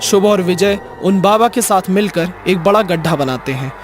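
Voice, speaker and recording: Casting: male storyteller for cartoon horror, fairly high voice, scripted narration over clearly audible music. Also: normal speed. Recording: music behind the voice.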